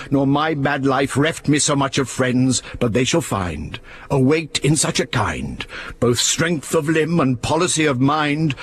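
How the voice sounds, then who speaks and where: An actor playing an aging, grieving father, proud and wrathful, declaiming Shakespearean verse in a husky voice. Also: mid-range voice. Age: older.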